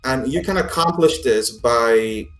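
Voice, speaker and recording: A man's voice: medium pitch, soft background music. Male game master in an echoey room. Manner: halting, conversational, explanatory. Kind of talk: improvised tabletop game narration.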